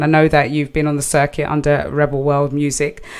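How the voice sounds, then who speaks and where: A woman with a British accent, over noticeable background noise. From England, West Indian heritage. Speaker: radio host. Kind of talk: radio interview.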